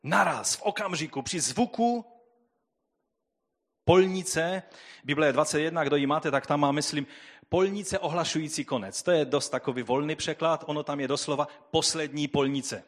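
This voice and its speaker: A man preaching with a fairly high-pitched voice. He reads scripture aloud in a sermon, rising to loud, slowed proclamations and dropping to quiet, low remarks. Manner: swings between loud drawn-out proclamation and quiet low asides.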